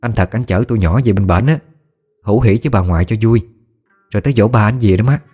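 A man's voice: on the low side, fast, warm tone, breathy edge, faint music behind. A man voicing a polite respectful daughter-in-law. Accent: Southern Vietnamese.

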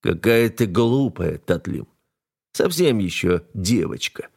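A man's voice: lowish voice, expressive, takes it slowly, vocal fry, darkish tone, husky, full character voice. A man voicing a cold, domineering heir to the throne who issues level, menacing warnings. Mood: commanding. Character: cold, domineering male heir, the narrator himself.

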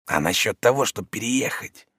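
A man's voice: on the low side, expressive, normal speed, pushed and bright, breathy edge, no room sound, studio quality, exaggerated voice. A man reading an audiobook voices a timid, grumbling old manservant who mumbles and pleads.

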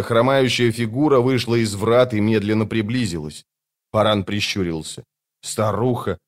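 A man reading a fantasy audiobook with an expressive delivery. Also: mid-range voice. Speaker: audiobook narrator.

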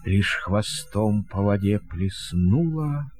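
A man narrating a verse fairy tale in a theatrical, measured storytelling manner. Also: on the low side, expressive, darkish tone, soft background music.

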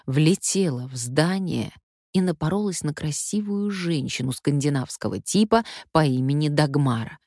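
Older actress with a low, dry voice. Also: female voice, moderate pace, no echo. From Omsk, Siberia, Russia. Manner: wry, lively anecdotal narration. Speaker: stage actress. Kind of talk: memoir storytelling.

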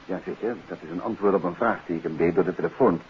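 An actor playing a composed, inquisitive detective in a 1950s radio drama, probing in a conversational way. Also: male voice, low voice, fast talker, lightly acted. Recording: dull 1950s radio recording, faint hiss.

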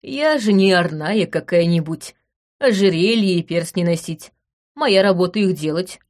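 Calm older jeweler, read by a woman, homely and unhurried, audiobook. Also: lowish voice, lightly acted. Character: older male jeweler, calm and plain-spoken.

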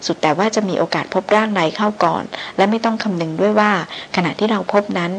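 A woman reading as a steady hunt leader. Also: medium pitch, fast, a little hiss or hum, close to an everyday voice, poor audio. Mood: firm. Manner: firm, matter-of-fact. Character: calm steady male jungle hunt leader. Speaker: storyteller.

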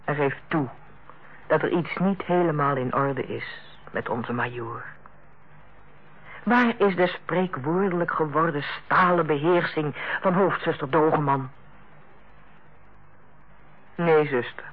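An actress in a Dutch radio play as a female hospital director, authoritative yet kindly, speaking in a measured, formal and persuasive way. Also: deep voice, breathy edge, exaggerated voice. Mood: coaxing, firm. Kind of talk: Dutch radio drama acting. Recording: muffled, band-limited old radio recording.

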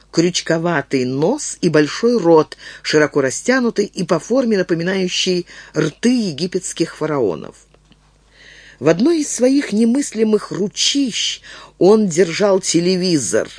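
Expressive male audiobook narrator. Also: a little high, dry recording.

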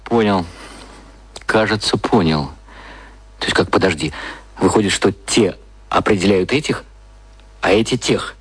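An actor playing a naive, unsettled male employee in a radio drama, asking halting, baffled questions. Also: deep voice, husky, exaggerated voice. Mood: confused, probing.

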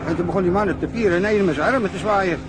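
An actor playing a gruff, irritable dredging-boat worker in a radio drama, blunt and agitated, with engine noise behind. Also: male voice, sits high, rapid-fire, close to an everyday voice.

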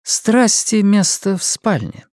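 A stern older mother with a prim, scolding voice, pitched up high, put on by a male narrator. She speaks crisply and sharply in an audiobook reading. The recording is close and dry. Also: expressive, normal speed, a little mellow, no echo. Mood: disapproving. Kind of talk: audiobook character voice.

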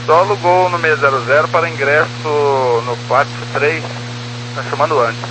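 A man's voice: a little high, normal speed, background noise. A man speaking as a pilot, making procedural calls and readbacks over an aviation radio. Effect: aviation radio transmission.

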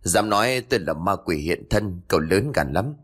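A man voicing a cunning, sharp-tongued old man who scolds and bullies a lodger in a spoken ghost story. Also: sits low, animated, moderate pace, husky. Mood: scolding. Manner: scolding, blunt.

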